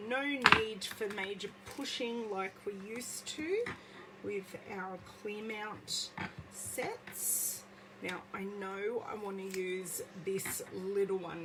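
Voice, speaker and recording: An Australian woman with a slight croak in her voice, chatting casually with viewers during a live craft demonstration at home. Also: mid-range voice, noisy background. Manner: chatty, greets viewers by name. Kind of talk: casual live-stream craft demo chat. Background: movie playing in background.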